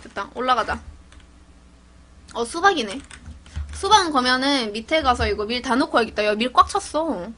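A woman YouTuber chats her way through a game, talking through each step with sudden excited exclamations. Her voice sits a little high and sounds sharp and bright. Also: normal speed, long pauses. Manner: chatty, narrates her own actions with excited exclamations. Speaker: gaming YouTuber. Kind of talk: casual gameplay commentary.

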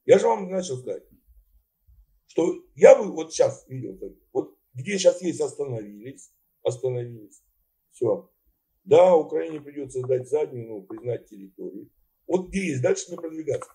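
A man's voice: a little high, animated, moderate pace, warm tone. A man in his seventies on a video call, arguing bluntly and swearing, talking in a dismissive way. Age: 70s. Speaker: chat roulette stranger. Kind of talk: argumentative video chat. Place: indoor room.

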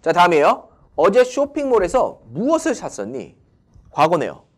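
Lively male English teacher. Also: sits high, normal speed. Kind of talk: online English lesson.

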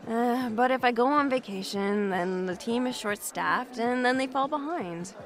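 A woman's voice: fairly high pitch, moderate pace, natural voice. A woman in her twenties playing a reserved, overworked young office worker in an audio drama, with music behind her. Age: 20s. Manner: reserved, defensive, a little awkward.

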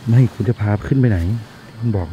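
A man's voice: medium pitch, brisk, muffled recording, a little hiss or hum. A young man chatting and joking with his travel companion outdoors on a mountain viewpoint at dawn. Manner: joking, relaxed banter. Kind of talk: casual chat.

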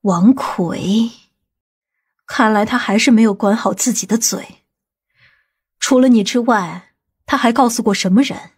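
A woman playing a stern, commanding woman from a powerful family in an audiobook drama, speaking gravely and deliberately. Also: fairly high pitch. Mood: stern, secretive.

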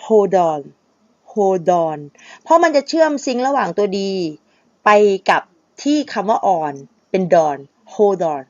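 A woman's voice: fairly high pitch, very animated, moderate pace, darkish tone, no room sound, dull audio. A woman singing teacher who gives a patient, polite lesson and sings short phrases to show how English words are pronounced. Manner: demonstrates English pronunciation by singing and spelling out words; patient, polite, with frequent na kha and kha.

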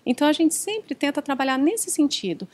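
A woman's voice: high voice, very animated, fairly quick. A woman working as a hospital psychologist, answering interview questions in an explanatory way and often quoting patients and their families.

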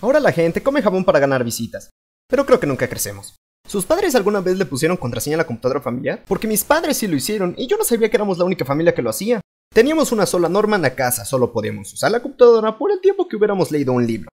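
A young adult man with a Latin American Spanish accent narrates a comedic cartoon storytime as a fandub narrator. His voice is high and racing, with an animated, playful delivery.

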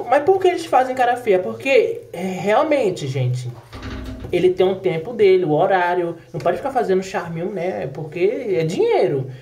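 A man's voice: high voice, a little mellow. A man with a Brazilian accent talking at home in a late-night vlog, chatty and rambling, with many fillers and repeated words. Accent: Brazilian Portuguese. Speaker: vlogger.

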